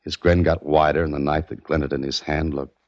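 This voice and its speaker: A wry hard-boiled detective. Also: male voice, extremely low pitch, little pitch movement, brisk, a little mellow. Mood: narrating. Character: wisecracking male detective narrator. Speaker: detective lead and narrator. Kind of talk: 1940s radio drama acting. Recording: dull lo-fi old radio with faint music.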